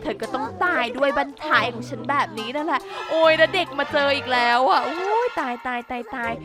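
She talks fast in a high-sitting voice, playfully commenting on a game. This gaming YouTuber dramatically tells off the characters and speaks to viewers while background music plays.

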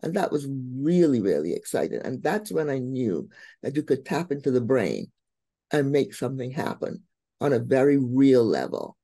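A middle-aged woman from Barbados, a guest on a video call who tells her life story with warm, expressive emphasis. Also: a bass voice, normal speed, slightly rough, no echo. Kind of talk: interview storytelling.

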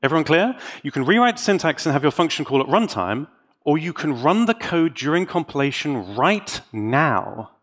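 A man delivers a technical talk to a live conference. His pitch moves around in a lively way, and he comes across as playful and enthusiastic, dropping in wry asides as he explains. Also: moderate pace. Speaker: conference speaker and tech YouTuber.

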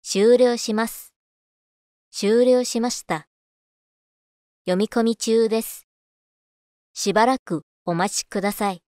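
A woman voice actor reading scripted narration and announcements in a clearly enunciated, rehearsed delivery. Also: on the high side, takes it slowly, long pauses, mellow, dry recording, studio quality.

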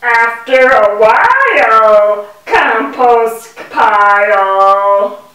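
Woman voicing a slow, gentle bee puppet, echoey. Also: a little high, animated, exaggerated voice. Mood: fond farewell. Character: gentle, polite talking mason bee puppet. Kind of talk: children's puppet show acting. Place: indoor room with puppet stage. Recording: echoey room, distant microphone.

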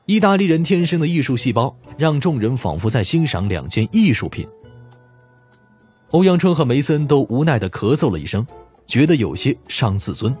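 A man's voice: mid-range voice, sing-song, moderate pace, darkish tone, slightly rough, faint music behind. A man reading scripted story narration expressively, as an audiobook narrator.

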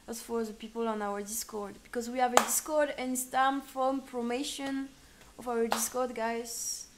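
A woman's voice: fairly high pitch, steady tone, unhurried, background noise. A woman in her twenties with a French accent, chatting playfully as a live streamer and switching into accented English. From France. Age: 20s. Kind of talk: casual live stream chat.

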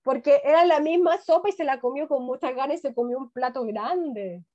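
High-voiced teacher on a video call. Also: female voice, fairly quick, mellow. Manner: encouraging, asks many questions. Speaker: primary school teacher. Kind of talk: online class for young children. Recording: dull lo-fi video call audio.

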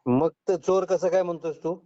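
A man's voice: sits high, brisk, dark tone. A man with a rural western Maharashtra accent, interrogating and scolding someone on a phone call in blunt, coarse, condescending colloquial speech. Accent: rural western Maharashtra Marathi. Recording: muffled lo-fi phone call recording.

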